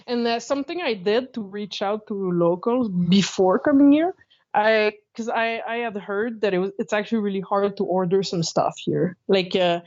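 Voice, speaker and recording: A young woman from Canada, chatting as a guest in a remote interview. She is animated, laughs often and acts out what people said. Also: mid-range voice, dull audio. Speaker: guest, traveling jiu-jitsu instructor.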